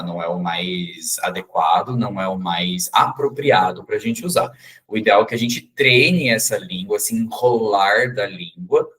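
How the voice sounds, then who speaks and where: A man's voice: lowish voice, fairly bright tone, husky. A man teaching an English pronunciation class in a chatty, joking way, explaining sounds step by step. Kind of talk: casual online class.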